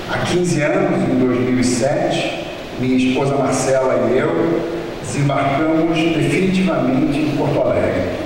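A Brazilian man in his forties with a Rio de Janeiro accent reads a formal acceptance speech from notes, his tone emotional but measured. He speaks into a podium microphone in a large council chamber. The recording carries long reverb, distance from the mic and a steady room hum. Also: mid-range voice. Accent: Rio de Janeiro Portuguese. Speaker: honoree giving an acceptance speech. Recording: echoey chamber heard from a distance with room noise.

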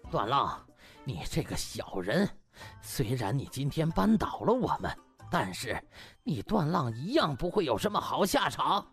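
A man's voice: mid-range voice, sing-song, measured pace, faint music behind. A man voicing a proud, defeated older hospital director in an audiobook, glowering and curt with anger. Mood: bitter anger. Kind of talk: audiobook character acting.

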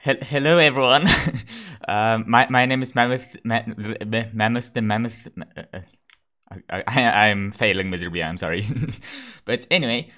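A man's voice: fairly low pitch, fairly even intonation, normal speed, sharp tone. Giggly man narrating his gameplay. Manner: giggly, stumbling, self-deprecating. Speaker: gaming channel host. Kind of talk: casual gameplay commentary.

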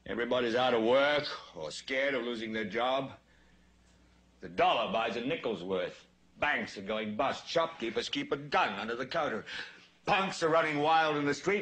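A man playing an older TV news anchor who rants on air, impassioned and building to shouts. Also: mid-range voice, slightly rough. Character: furious older male TV anchor, fed up. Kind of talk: film drama acting.

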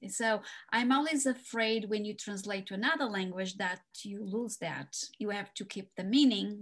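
A woman with a Portuguese accent, a guest in a podcast interview, speaking softly with pauses. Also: medium pitch. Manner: soft-spoken, laughs often, with pauses. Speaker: guest artist and poet.

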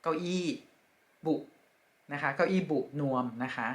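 A woman teaching French vocabulary in a slow, careful way, repeating each word twice and ending her phrases politely. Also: low voice. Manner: polite, ends phrases with soft particles. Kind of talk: vocabulary lesson.

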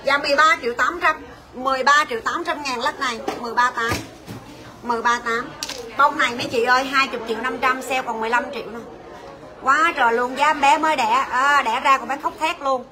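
A woman selling jewelry on a livestream, calling out prices in rapid, coaxing sales patter. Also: high voice, fairly even intonation, crowd noise. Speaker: jewelry shop livestream seller.

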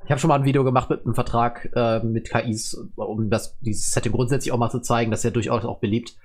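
A man's voice: mid-range voice, steady tone, fast talker, darkish tone. A man hosting his own gaming channel, chatting casually and rambling with many fillers and restarts while he plays a strategy game. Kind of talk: casual gameplay commentary.

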